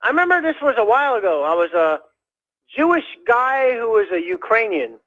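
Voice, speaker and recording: A man calling in to a radio show, rambling in a halting way with many fillers and restarts. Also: very high-pitched, sing-song. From United States. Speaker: caller. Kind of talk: rambling call-in chat. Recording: dull lo-fi phone call.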